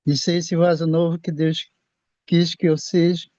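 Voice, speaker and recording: Brazilian man, 60s, earnest faith testimony, halting speech with restarts; fairly high, flat voice, dry dull recording. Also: dry recording. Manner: halting, repeats and restarts words. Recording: dull lo-fi sound.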